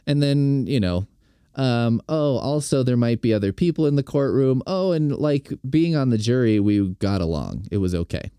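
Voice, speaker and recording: A man's voice: medium pitch, lively intonation, moderate pace, warm tone, smooth, dry recording, clean studio sound. A man hosting a podcast, giving rambling, sarcastic and profane commentary on a video. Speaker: podcast host.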